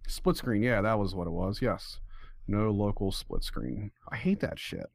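A man's voice: lowish voice, measured pace, no echo. Middle-aged guy rambling on a podcast, swears a lot, dry close sound. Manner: chatty, swears casually, lots of "like". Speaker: podcast co-host. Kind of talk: casual chat.

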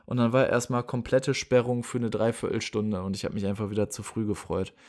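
A man's voice: on the low side, little pitch movement, brisk, a little mellow. A young man co-hosting a podcast, chatting casually and teasing his co-host with exaggerated complaints. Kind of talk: casual chat.

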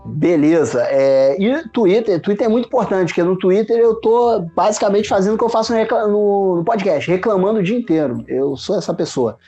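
A man's voice: sits high, animated, fairly quick, hardly any pauses, dark tone. A man from Rio de Janeiro with a Carioca accent, talking casually as a podcast guest in informal Rio street slang, recorded on a phone. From Rio de Janeiro, Brazil. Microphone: mobile phone. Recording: muffled phone recording with music behind. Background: music.

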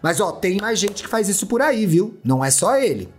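A woman's voice: big pitch swings, normal speed, husky. Bawdy, laughing woman host. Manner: mocking, bawdy, laughs a lot; swings to shrieks and low asides. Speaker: host reading listener letters. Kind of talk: comic letter-reading chat.

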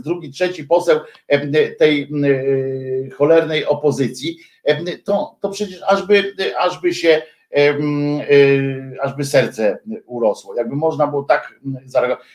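A man's voice: a little high, roomy sound. A man delivering a heated, scornful political rant straight to his viewers, with many hesitation fillers. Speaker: political commentator. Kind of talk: ranting monologue to viewers.

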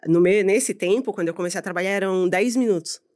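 A woman's voice: medium pitch, fast talker, darkish tone. A Brazilian woman, a podcast guest, telling personal stories in a candid, slangy way and laughing often. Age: adult, with a daughter who was 12 years ago. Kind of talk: casual storytelling conversation.

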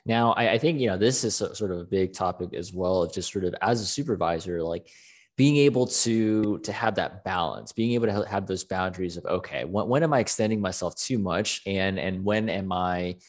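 Deep-voiced man, halting and searching. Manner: halting, restarting phrases, searching for words. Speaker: podcast host. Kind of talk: interview questions.

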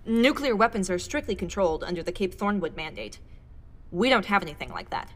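A woman playing a decisive director chairing a fleet council in a science fiction audio drama, brisk and commanding. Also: medium pitch, lively intonation, a bit bright, close to an everyday voice.

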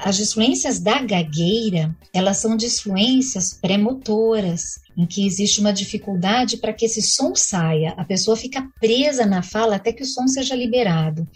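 A woman with a husky voice at a medium pitch. She speaks as a clinical expert in a panel discussion, explaining things carefully and didactically, revising her wording as she goes. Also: darkish tone. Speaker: speech therapist, guest expert.

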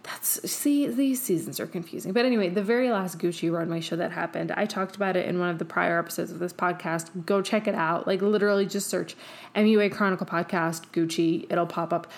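A woman's voice: lowish voice, a little fast. A woman who speaks English as a second language, hosting a podcast with casual, opinionated solo talk in an effusive, emphatic, tangent-prone way. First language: not English. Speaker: podcast host.

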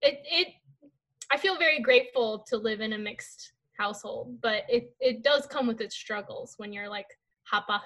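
A woman's voice: on the high side, moderate pace, a bit bright. A woman talking casually in an interview, full of "like" fillers and restarts. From United States. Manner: chatty, many "like" fillers and restarts. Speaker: guest.

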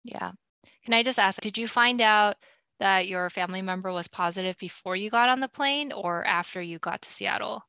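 A woman follows a friend's story, putting in short, attentive follow-up questions. Her voice is bright and crisp, and the sound is dry. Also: medium pitch, moderate pace, no echo. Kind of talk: casual chat.

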